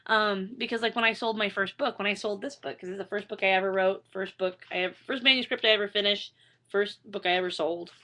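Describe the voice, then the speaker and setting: Hoarse, chatty woman. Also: mid-range voice, fairly even intonation, fast, bright, forceful tone. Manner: self-deprecating, chatty, lots of fillers and restarts. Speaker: author reading her book. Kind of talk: casual rambling chat.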